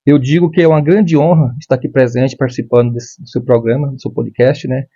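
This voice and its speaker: A man's voice: mid-range voice, steady tone, mellow, husky, no room sound, muffled recording. A man in his fifties from Brazil, a retired military police major, speaking formally and with frequent restarts as an interview guest. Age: 50s. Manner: measured, formal, with many restarts. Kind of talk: conversational interview.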